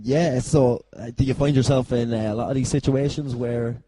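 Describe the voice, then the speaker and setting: Very mellow Irish podcast host, male. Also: medium pitch, steady tone, moderate pace, slight background noise. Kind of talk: casual comic interview and chat.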